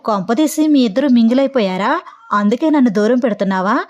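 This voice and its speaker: A woman's voice: on the high side, animated, a little fast, a little mellow, natural voice. A woman voicing a mischievous young woman who fakes tearful heartbreak on a prank call. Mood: melodramatic. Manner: melodramatic, teasing, tearful. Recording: dull lo-fi audio.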